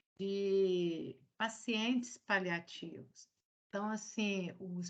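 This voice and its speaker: A soft-spoken woman talks at a medium pitch. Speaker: psychology student. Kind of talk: class discussion. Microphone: too quiet for some listeners.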